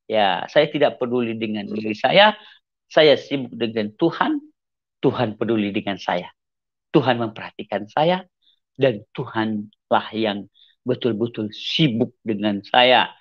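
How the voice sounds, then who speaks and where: Earnest Acehnese evangelist man, dull audio. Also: measured pace. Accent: Acehnese with mixed Medan, Timor and Malaysian traces. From Aceh, Indonesia. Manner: earnest, repetitive, sudden rises in pitch for emphasis. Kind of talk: personal testimony to camera.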